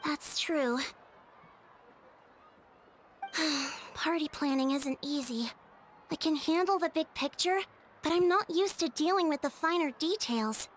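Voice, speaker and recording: A woman's voice: high-pitched, unhurried, a little hiss or hum. An actress voicing an earnest, easily flustered young female tribal chief in an anime game. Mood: overwhelmed. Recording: music playing behind the voice.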